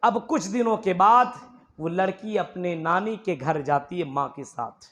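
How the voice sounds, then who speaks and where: A man's voice: sits high, measured pace, fairly bright tone. A man preaching a sermon, telling stories emphatically and repeating key phrases while addressing his listeners as brothers. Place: mosque gathering.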